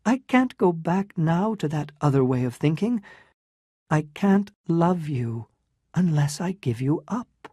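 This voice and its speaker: A woman's voice: deep voice, expressive, measured pace, dark tone, slightly rough, no room sound, studio quality, pitched above the performer's own voice, exaggerated voice. A reader voicing an anguished, restrained young woman in a dramatized story reading, with emotional, pleading delivery. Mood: sorrowful.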